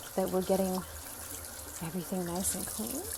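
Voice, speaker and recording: A woman is soft-spoken. Noticeable background noise runs behind her. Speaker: ASMR creator. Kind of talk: ASMR soft-spoken tutorial.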